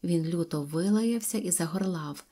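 Woman narrator, storybook audiobook, husky, lowish voice, hushed whispers at tense moments. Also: normal speed.

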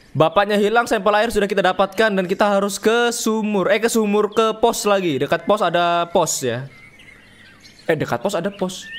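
Young streamer, high-pitched, loud joking banter over a horror game. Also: male voice, a little hiss or hum. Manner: rowdy, joking, slangy, reads game text aloud. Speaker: gaming streamer. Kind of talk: livestream game commentary.

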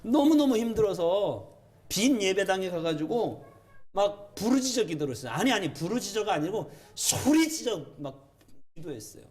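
Casting note: male pastor, 30s, animated sermon delivery, slightly high voice. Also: moderate pace. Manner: animated, voices questions to God in a raised pitch. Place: church sanctuary.

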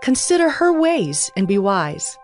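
Animated woman reading scripture. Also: mid-range voice, unhurried. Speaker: scripture narrator. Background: music.

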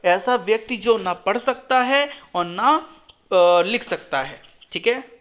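A young male teacher with a high voice runs an exam lesson as if in front of a class. He asks a question, answers it himself, and says the answer again. English phrases come out slowly, one word at a time. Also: animated, fairly bright tone. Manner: explains step by step, repeats each answer, asks and answers his own questions.

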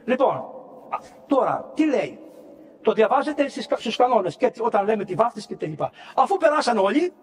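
A man's voice: extremely high pitch, sing-song. A Greek Orthodox priest preaching a sermon. He explains a hymn verse by verse, asking and answering his own questions and acting out scenes with sound words. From Greece. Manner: acts out biblical scenes with sound words and quoted speech. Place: church. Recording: long church reverb.

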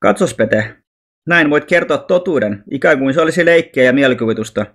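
A man voicing a cheerful, calm and fearless alien boy in an audiobook reading. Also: on the high side. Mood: serene.

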